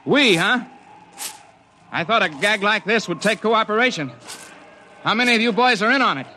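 An actor playing a mountain climber who narrates the story and trades wry jokes, in a radio drama. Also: male voice, high-pitched, expressive, moderate pace, bright, forceful tone, slight background noise, heavily acted. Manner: wry, joking.

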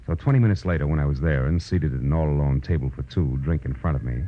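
An American actor playing a wry, clipped, hard-boiled private detective in an old radio drama. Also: male voice, a bass voice, fast, no room sound. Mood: wry narration. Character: hard-boiled wisecracking male private detective, narrating his case. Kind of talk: 1940s-50s radio detective acting and narration. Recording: muffled vintage radio recording with music.

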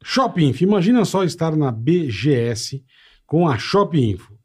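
A man with a husky, fairly high voice co-hosts a talk show. He chats casually and reads promotional spots in an informal way. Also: very animated, measured pace. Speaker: talk show co-host reading sponsor spots. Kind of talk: casual banter and promotional ad reading.

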